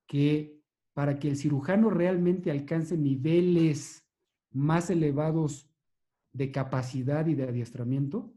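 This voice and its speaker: Lecturing in a measured, explanatory way, this male neurosurgeon also answers questions, with some hesitations and restarts. He speaks with a fairly high, warm voice.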